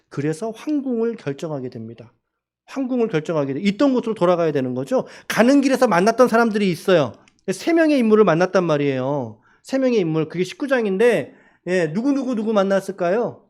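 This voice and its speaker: A man's voice: high voice, big pitch swings, brisk, darkish tone. A man preaching a sermon as a pastor in a church, asking the congregation questions and crying out quoted lines dramatically. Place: church sanctuary.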